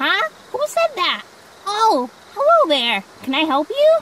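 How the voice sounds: A put-on character voice at an extremely high pitch, fairly slow, with very wide pitch swings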